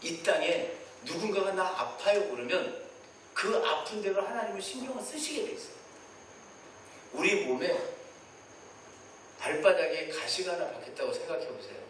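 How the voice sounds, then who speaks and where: A man preaching a Sunday sermon as senior pastor, animated, acting out prayers and God's replies in quoted voices. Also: sits high, normal speed, long pauses, a little hiss or hum. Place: church sanctuary. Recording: distant mic in a very echoey church hall.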